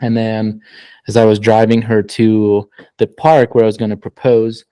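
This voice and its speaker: A man's voice: on the low side, level tone, normal speed, warm tone, smooth, no room sound. A young man, a guest husband, telling a story in a hesitant, plain way in a casual chat.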